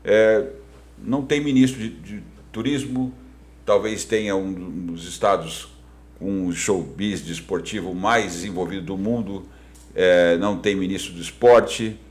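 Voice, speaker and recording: A Brazilian man with a markedly low voice hosts an interview. His delivery is conversational and a little halting, building each question piece by piece. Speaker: interview host.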